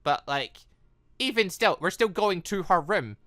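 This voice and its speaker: A woman hosting a gaming video, giving casual, excitable playthrough commentary with halting exclamations. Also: lowish voice, dry recording, clean studio sound.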